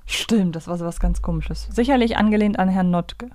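A woman's voice: mid-range voice, a little fast, darkish tone, dry recording. Woman, dry close sound. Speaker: podcast co-host. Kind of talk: casual chat during a guessing game.

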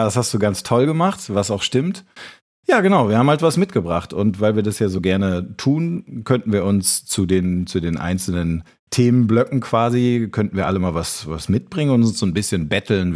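A man co-hosting a podcast, joking and teasing himself in quick bursts. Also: low voice. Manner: joking, self-mocking, talks in quick bursts. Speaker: podcast co-host. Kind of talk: casual podcast chat.

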